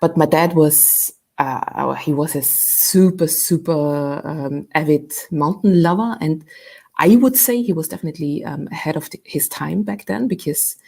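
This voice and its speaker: Low gravelly woman. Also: unhurried. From Austria. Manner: relaxed and chatty, many fillers and repeats. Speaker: guest. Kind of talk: casual interview chat. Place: at home.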